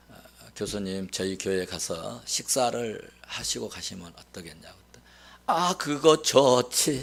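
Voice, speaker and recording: A man is speaking here. His pace is fairly slow. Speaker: pastor. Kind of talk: sermon. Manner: animated.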